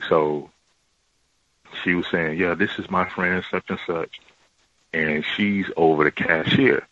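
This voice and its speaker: A man with an extremely deep voice tells his story slowly, stopping and restarting often. The sound is dull and dry, like a call-in line. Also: a bit bright, no echo. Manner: halting, many fillers and restarts. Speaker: caller. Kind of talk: casual call-in account.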